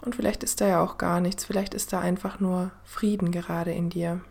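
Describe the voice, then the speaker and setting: A woman host guiding a meditation in the soothing manner of a sleep story narrator, gentle and unhurried, with a soft, breathy voice that often drops to a near-whisper. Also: on the low side, flat delivery, a little hiss or hum. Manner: gentle, unhurried, with long pauses. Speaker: podcast host and meditation guide.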